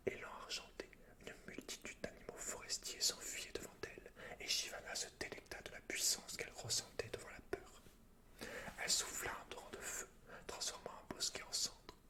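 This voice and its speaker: A man speaking in a breathy, unvoiced whisper with a hushed, intimate ASMR delivery. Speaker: ASMR gaming YouTuber. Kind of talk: whispered ASMR story reading and game commentary.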